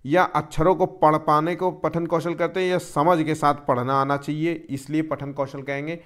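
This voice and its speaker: Male teacher with a somewhat high voice, running a patient exam-prep lecture that asks and answers its own questions. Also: level tone, normal speed, fairly bright tone.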